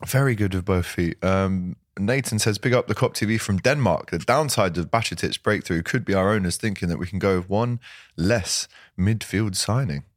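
A man with a hoarse voice hosting a casual football fan chat, reading out viewer comments with excitable banter. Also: deep voice, normal speed, no echo, studio quality. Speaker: host.

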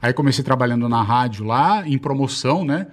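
São Paulo man, guest on a chat show, fast and slangy, curses freely. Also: medium pitch, lively intonation. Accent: São Paulo Portuguese. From Brazil. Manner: rambling, slangy, swears often. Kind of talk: casual storytelling chat.

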